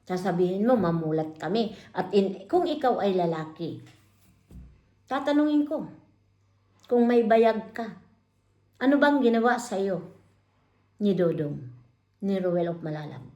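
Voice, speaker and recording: A woman's voice: mid-range voice, expressive, measured pace, pauses often, warm tone, roomy sound, dull audio. A woman hosting online commentary, calling out a critic with pointed repeated questions. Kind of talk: confrontational live commentary.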